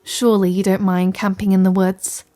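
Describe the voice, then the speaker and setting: A woman's voice: medium pitch, little pitch movement, moderate pace, dark tone, faint music behind, natural voice. A woman playing a capable, caring scholarly wizard in an ASMR fantasy roleplay, speaking to the listener in an articulate, bookish, reassuring way. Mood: thoughtful, resolute. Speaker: audio roleplay performer.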